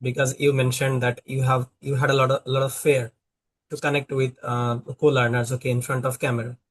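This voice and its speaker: A Bangladeshi man, a small YouTuber acting as a conversation partner, asks questions in a casual practice chat. His medium-pitched voice holds a level tone and moves a little fast, full of fillers and restarts.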